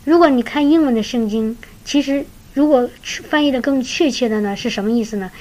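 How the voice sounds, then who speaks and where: On a rough recording, a woman preacher with a somewhat high, slightly mellow voice tells her faith story fairly quickly. She shares the testimony earnestly, sermon-fashion, repeating words often.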